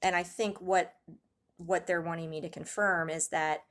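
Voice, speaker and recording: A woman giving a casual tarot reading to viewers, talking softly with many pauses and restarts, her throat a little raspy. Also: lowish voice, steady tone. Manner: soft-spoken, hesitant, many ums and restarts, gasps in awe. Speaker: tarot reader.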